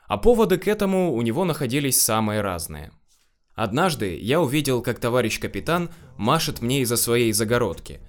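Male narrator, first-person story reading, wry and slangy, with a very lively, rising-and-falling delivery. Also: medium pitch. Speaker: audiobook narrator.

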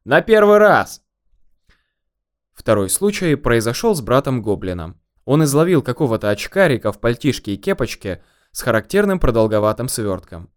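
A man narrating a first-person story in a calm, deadpan way. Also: medium pitch, fairly quick.

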